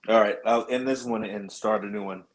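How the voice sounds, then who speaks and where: A man with a fairly low voice talks bluntly over a remote call, swearing freely in casual chat. His audio keeps cutting in and out, so the volume lurches between loud and barely there. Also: steady tone, brisk. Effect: remote call audio cutting in and out, uneven volume. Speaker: podcast co-host. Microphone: remote call connection.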